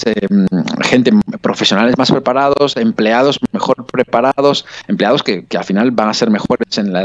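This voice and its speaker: Spanish-accented man on a dull call line. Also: fairly low pitch. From Spain. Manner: halting, many restarts and fillers. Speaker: researcher guest. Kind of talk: phone interview.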